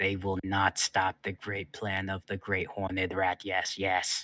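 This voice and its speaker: A man's put-on character voice, very deep and low in pitch, with monotone, flat intonation, a fairly slow pace, and hissing. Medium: actual play. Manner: imperious, hissing, repeats words.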